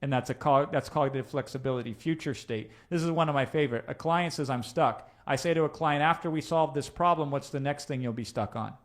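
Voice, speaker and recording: A man's voice: a little high, quick pace, hardly any pauses. A man coaching a live audience in a conversational teaching talk, often checking in with "right?" and drifting into asides. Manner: conversational, checks in with "right?", digresses mid-thought. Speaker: coach presenting a live session.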